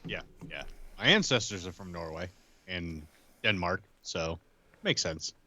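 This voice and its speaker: Deep-voiced man with lively swings. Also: measured pace. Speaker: podcast player. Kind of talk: casual introduction and chat.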